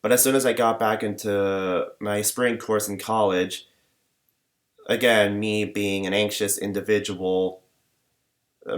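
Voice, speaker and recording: A young man rambling in a personal vlog, talking in a flat monotone with many fillers and false starts. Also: fairly low pitch. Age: young adult. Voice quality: limited, flat range. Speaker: vlogger.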